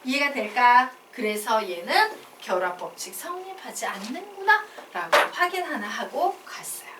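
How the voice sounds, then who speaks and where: A woman math teacher lecturing in a high, sing-song voice, asking her class questions and answering them herself. The sound is picked up from a distance in an echoey room, with clear background noise. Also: normal speed. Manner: animated, asks and answers her own questions.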